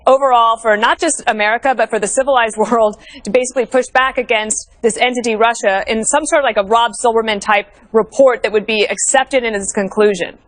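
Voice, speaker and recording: Articulate woman panelist, slightly high. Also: fairly even intonation, brisk, hardly any pauses. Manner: articulate, questioning, with light fillers. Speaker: panel co-host, former press secretary. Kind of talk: cable news panel discussion.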